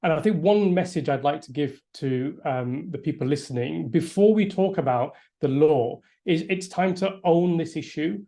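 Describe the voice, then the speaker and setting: A man's voice: on the high side, moderate pace, vocal fry, few pauses, warm tone. A middle-aged man from Yorkshire, a lawyer, speaking earnestly and with emphasis at a community briefing, often repeating words as he restarts. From Yorkshire, England. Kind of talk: earnest public address.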